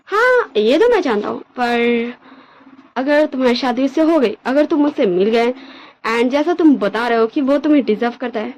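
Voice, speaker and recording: A woman's voice: on the high side, expressive, moderate pace, a little mellow, slight background noise, close to an everyday voice, poor audio. A woman voicing a playful older brother and future clan leader who teases his younger sibling, in a read-aloud fan story. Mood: teasing. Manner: playful teasing.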